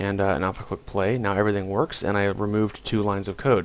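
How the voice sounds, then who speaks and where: Using a normal speaking voice, a man talks at a fairly quick pace and a fairly low pitch. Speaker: programming tutorial creator. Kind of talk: screen-recorded coding tutorial. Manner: casual, with many filler words.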